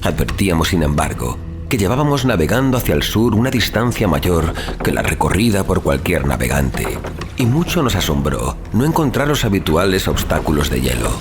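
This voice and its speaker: Deep-voiced man narrating horror with expressive swings. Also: normal speed. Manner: solemn, literary, suspenseful delivery. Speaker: storyteller, audiobook narrator. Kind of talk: dramatic scripted horror narration. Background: music.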